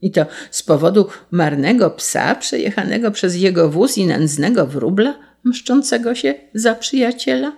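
A woman narrating a fairy tale in a slow, measured storybook reading. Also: medium pitch, animated, vocal fry, darkish tone, breathy edge.

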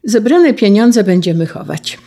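A woman's voice: mid-range voice, very animated, unhurried, mellow, voice pushed up. Brief: matter-of-fact young boy, voiced by a woman narrator. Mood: keen. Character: practical young boy, middle sibling.

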